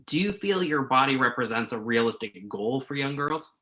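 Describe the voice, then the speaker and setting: Bright, animated male journalist, played by an actor. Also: medium pitch, moderate pace. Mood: blunt. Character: wounded male magazine journalist, blunt but apologetic. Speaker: actor in a virtual staged reading. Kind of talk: naturalistic play reading.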